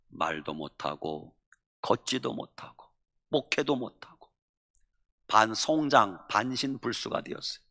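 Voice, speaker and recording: A male pastor preaching a sermon dramatically, swinging from shouting to near whispering. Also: lowish voice, gravelly. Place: church sanctuary. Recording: echoey church hall.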